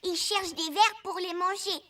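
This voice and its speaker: A woman voicing a curious, excitable four-year-old boy in a cartoon, with an eager, childlike way of asking things. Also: very high voice, normal speed.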